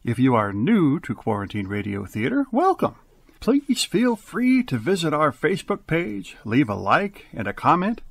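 A man hosting as director, giving a theatrical scripted radio introduction with dramatic, deliberate pauses. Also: on the high side, huge pitch swings, husky. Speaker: director and host.

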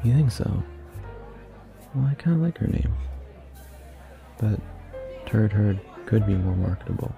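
Male actor for flirty club singer, ASMR roleplay. Deep, heavy fry, hesitant and self-mocking, music behind. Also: expressive, a little slow, pauses often, phone-quality sound. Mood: gently flirty. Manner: hesitant, softly teasing, self-deprecating. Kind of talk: ASMR roleplay acting, casual flirty banter. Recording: close dry mic, music behind. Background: music in a staged club scene.

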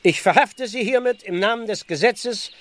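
A man's voice: sits high, moderate pace, a bit bright. An actor playing an officious, blustering village policeman in an audio drama, with a formal, pompous and fussy manner. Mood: stern. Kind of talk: German audio drama acting.

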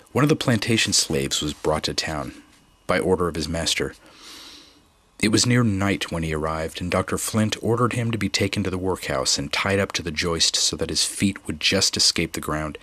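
Very deep-voiced man reading an audiobook. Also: bright, forceful tone, no echo. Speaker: audiobook reader. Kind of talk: audiobook narration.

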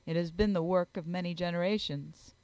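A woman voicing a proud, reserved gentleman in a storybook, speaking in a curt, stiff, measured way. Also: fairly low pitch, fairly even intonation, dry recording, natural voice, rough recording.

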